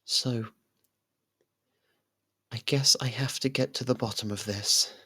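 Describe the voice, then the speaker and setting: A performer voicing a possessive, lovestruck young faerie royal in an intimate ASMR roleplay, soft and halting, tender and clingy. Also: medium pitch, fairly even intonation, slightly rough, exaggerated voice.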